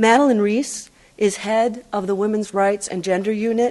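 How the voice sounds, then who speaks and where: A plain, everyday voice speaks at a moderate pace. The intonation is fairly even. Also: woman. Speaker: event host introducing speaker. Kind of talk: formal introduction. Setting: stage with audience at university.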